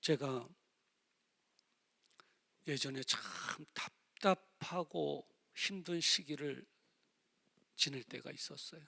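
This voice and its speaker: A male pastor preaching a sermon, swinging from loud impassioned exclaiming to hushed near-whispers and asking the congregation direct questions. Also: fairly high pitch, takes it slowly, vocal fry, pauses often.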